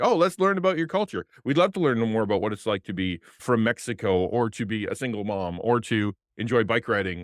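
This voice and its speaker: Deep-voiced passionate man on a podcast. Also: no echo, clean studio sound. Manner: passionate, animated, gestures with hands. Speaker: podcast guest, former pastor. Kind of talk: casual interview talk. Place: home streaming room with colored lights. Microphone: desk podcast mic on arm, headphones.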